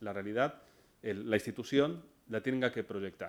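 A man is speaking. His pitch is medium and his intonation fairly even. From Argentina, Buenos Aires, raised in Spain (Barcelona). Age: 50s. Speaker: museum director. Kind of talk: lecture.

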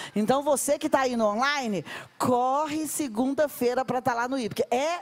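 A woman's high-pitched, animated voice with ordinary pitch variation. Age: 50s. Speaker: pastor. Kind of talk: sermon.

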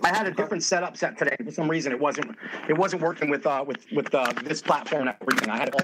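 Over noticeable background noise, a man with an American accent talks very fast at a fairly high pitch, his intonation lively. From Long Island, New York. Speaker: beat producer. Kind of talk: casual interview chat.

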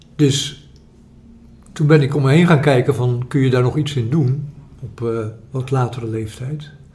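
Medium pitch for a man, somewhat breathy, with a dark, mellow tone and fairly even intonation, at a fairly slow pace with long, frequent pauses and audible room echo. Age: 60s. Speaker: shepherd, retired municipal executive. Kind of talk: interview. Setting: at home in living room.

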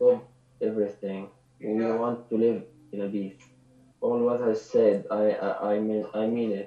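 A man with an Arabic accent speaks in a flat monotone, leaving long and frequent pauses, over noticeable background noise. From Gaza, Palestine. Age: young. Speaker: physiotherapy student. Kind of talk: interview testimony. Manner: halting.

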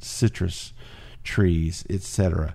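A man speaks in an American accent. His tone is dark and mellow. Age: 60s. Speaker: podcast host and caterer chef. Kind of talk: casual interview. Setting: studio.

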